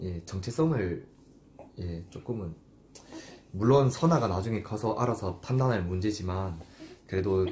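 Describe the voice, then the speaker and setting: A man speaks at a fairly slow pace with long, frequent pauses, his fairly low voice somewhat breathy with a dark, mellow tone. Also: lively intonation. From South Korea, Ulsan (Gyeongsang). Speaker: husband in Korean-Japanese couple vlog. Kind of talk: casual chat, Q&A.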